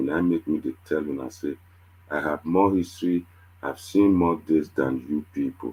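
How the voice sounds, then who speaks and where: A man speaks at a moderate pace in a very deep, low voice that is somewhat breathy. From Nigeria, Benin City. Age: 60s. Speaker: online commentator. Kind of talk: casual monologue in Nigerian Pidgin.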